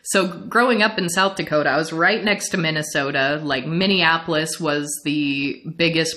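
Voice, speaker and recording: A young adult woman from the Midwestern United States, chatting casually as a podcast co-host, animated and laughing often. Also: low-pitched. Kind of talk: casual chat recapping an anime series.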